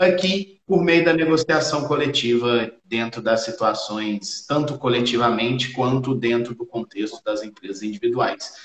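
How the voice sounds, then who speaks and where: A man at a medium pitch with lively intonation, a fairly slow pace, and hardly any pauses. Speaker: labor lawyer. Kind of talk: live-stream discussion.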